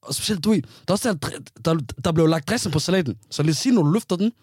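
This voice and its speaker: A man with a slightly raised, husky voice chats loosely on a podcast. He spins his stories in slang, stumbling over restarts and breaking into laughter. The sound is close and dry. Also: fairly high pitch, expressive, darkish tone, dry recording. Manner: laughing storyteller, slang-laced, many restarts. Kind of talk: casual chat.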